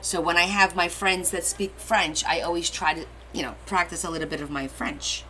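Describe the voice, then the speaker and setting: Chatty middle-aged woman, lowish voice. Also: fairly even intonation, moderate pace, sharp tone, a little hiss or hum, poor audio. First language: Portuguese. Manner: chatty and rambling, answers viewer comments. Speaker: crafting livestream host. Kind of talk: casual live-stream chat.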